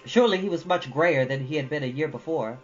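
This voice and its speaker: A woman narrating a storybook in an expressive, dramatic, emphatic read. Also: deep voice, fast, lo-fi sound, soft background music.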